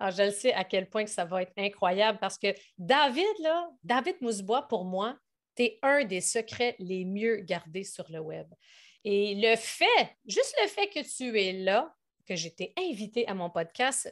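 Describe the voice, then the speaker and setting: A woman with lively intonation at a very slow pace, in a very clean recording with a silent background. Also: medium pitch for a woman. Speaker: podcast host, business coach. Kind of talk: interview.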